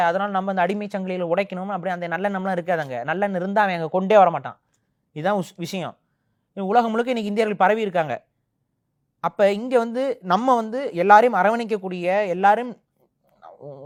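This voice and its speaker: Guy ranting fast in an interview, pretty high voice, gets worked up. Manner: indignant, rapid, rising to emphatic outbursts. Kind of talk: heated opinion talk.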